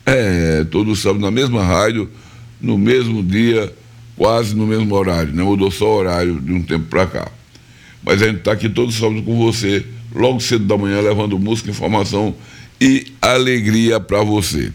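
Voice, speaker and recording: Male radio DJ, a bit hoarse, lowish voice, chatty and repetitive. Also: moderate pace. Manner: chatty, repeats phone numbers and tags lines with "viu?" and "né?". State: slightly hoarse. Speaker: radio host. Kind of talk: live radio show hosting. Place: radio studio.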